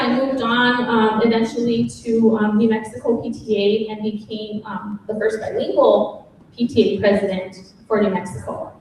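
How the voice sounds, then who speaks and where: A woman telling her own story as a panel speaker at a symposium, earnest and pausing often with "um". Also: a little high, darkish tone, a little hiss or hum. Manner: earnest, many pauses with "um". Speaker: panel speaker, parent advocate. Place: large conference room. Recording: echoey hall from far off.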